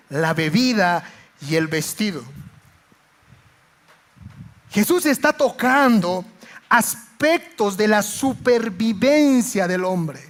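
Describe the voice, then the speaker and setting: A middle-aged man, a pastor, preaching a sermon in a church, repeating phrases and asking his listeners questions. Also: high voice. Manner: fervent preaching with rhetorical questions.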